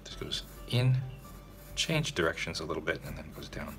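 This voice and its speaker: A man with a low yet bright, forceful voice talks through a drawing step by step in a relaxed way. He speaks straight to his viewers and often pauses to ask "okay?". Faint music plays behind him. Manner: casual, addresses viewers directly, frequent "okay?" check-ins. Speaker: drawing tutorial host. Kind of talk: narrated step-by-step drawing tutorial.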